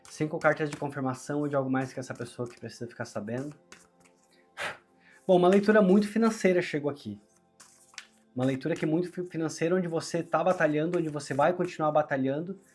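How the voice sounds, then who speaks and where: Male Brazilian tarot reader, fairly high voice strained by a sore throat, earnest and encouraging, music underneath. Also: fast talker. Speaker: tarot reader, channel host. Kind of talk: conversational tarot reading to viewers.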